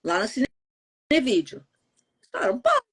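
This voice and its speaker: A woman's voice: a little high, wildly swooping pitch, takes it slowly, fairly bright tone, slightly rough. A middle-aged Brazilian woman from Goiás with a neutral accent, chatting casually in an interview over a call and often tagging sentences with "né?". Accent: neutral Brazilian Portuguese, no regional accent. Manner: chatty, frequent "né?" tags, laughs easily. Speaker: voice actress and translator, podcast guest. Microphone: remote call.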